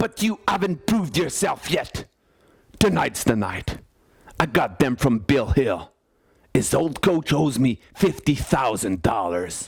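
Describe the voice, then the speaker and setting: A man's put-on character voice, medium in pitch with very wide pitch swings, at a fairly slow pace. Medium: solo performance. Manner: curt, commanding.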